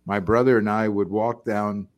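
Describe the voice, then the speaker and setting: An older man born in Cuba hosting a casual interview, speaking haltingly with many restarts and repeated words. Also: on the low side, level tone. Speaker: host.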